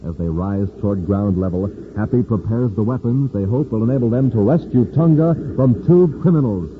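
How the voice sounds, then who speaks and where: A man's voice: lowish voice, brisk, narrow, tinny audio. A male announcer in a 1950s radio serial, narrating and selling cereal with showy emphasis. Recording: hissy old radio transcription.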